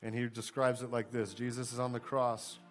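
A man's voice: mid-range voice, little pitch movement, fairly quick, faint music behind. An American man in his forties preaching as a pastor in an emphatic way, repeating key phrases. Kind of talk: sermon. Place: church stage, indoors.

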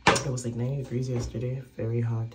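A woman's voice: a bass voice, flat delivery, fast, echoey room, heavy background noise. A woman in her thirties chatting casually to a close phone camera while doing her makeup, her voice a little throaty. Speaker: vlogger. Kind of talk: casual vlog chat to camera. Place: small indoor room, by a window.

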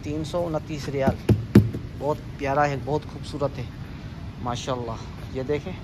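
In this walking store tour vlog, a man moves through a large indoor supermarket with his handheld phone camera, leisurely showing items and reading off prices. His medium-pitched voice is steady and his speed normal, with noisy store ambience around him.

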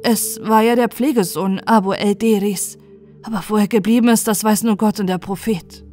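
A woman's voice: mid-range voice, steady tone, moderate pace, a little mellow, soft background music, lightly acted. A woman voicing an old male servant who pleads and protests his innocence in a wailing tone, in a fairy tale audiobook. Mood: pleading.

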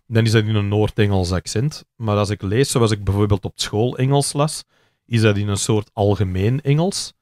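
A man's voice: lowish voice, a little mellow, no echo, clean studio sound. A man with a Flemish accent hosting a podcast, talking at length in a rambling, chatty way. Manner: talkative, rambling explanations with quick asides. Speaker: podcast host. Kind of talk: casual podcast conversation.

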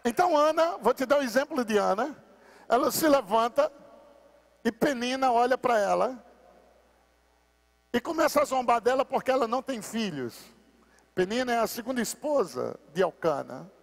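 High-voiced Brazilian pastor shouting praise. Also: male voice, animated, normal speed, vocal fry, long pauses. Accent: Brazilian Portuguese. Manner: fervent, shouts exhortations to the congregation. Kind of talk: preaching a sermon. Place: church service.

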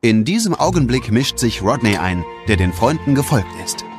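A male narrator tells a children's audio drama from a script. His delivery is expressive, with lively, moving pitch. Clear music runs behind the voice. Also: normal speed. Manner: expressive storytelling.

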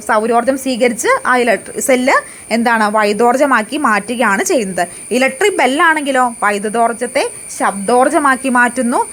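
A woman's voice: fairly high pitch, fairly bright tone. A woman teaching an exam prep lesson. She asks questions and answers them herself, repeats key facts and often hesitates and restarts.

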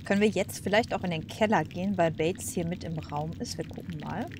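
A woman gives casual commentary as she plays a game, thinking aloud in slangy, informal talk. Her voice is on the low side, with clear game ambience behind it. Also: a little fast, background noise. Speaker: let's play host.

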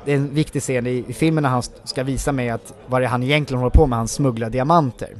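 A man, an actor guest in a casual interview, telling stories from film sets in a rambling, animated way with many filler words. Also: mid-range voice.

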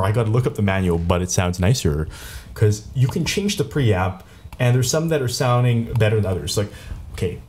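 A man's voice: mid-range voice, a little mellow, slight background noise. A man hosting a casual home tech tutorial, talking playfully while fiddling with a handheld recorder at his desk. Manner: chatty, playful, talks while fiddling with gear. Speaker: tutorial host. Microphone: handheld portable recorder.

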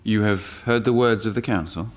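A man's voice: fairly low pitch, normal speed, natural voice. A man playing a matter-of-fact official giving orders in an audio drama, plain and formal. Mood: businesslike.

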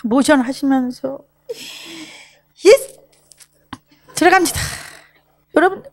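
A woman in her sixties giving a personal recovery testimony to a group, telling her story in an emotional, animated way. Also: sits high, slow, no room sound, clean studio sound. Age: 60s. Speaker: program participant giving a testimony.

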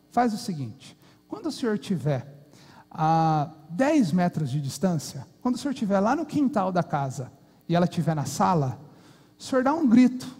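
A Brazilian man voicing a calm, polite doctor giving instructions and apologizing, in a reverberant hall. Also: high voice, husky, exaggerated voice.

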